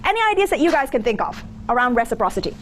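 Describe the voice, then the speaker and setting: A woman's voice: a little high, very animated, racing, a bit bright. A woman in her thirties with a mixed Singaporean and American accent, giving an informal, conversational lecture. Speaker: business school lecturer. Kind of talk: interactive lecture with anecdotes. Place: lecture theatre with audience. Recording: background noise of a lecture room.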